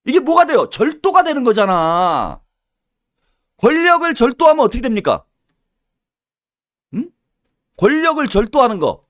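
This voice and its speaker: A man's voice: extremely high pitch, sing-song, moderate pace, pauses often, a bit bright, no echo, studio quality. A man giving a solo political commentary, heated and scolding, with mocking insults and little acted-out dialogues. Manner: acts out little mock dialogues.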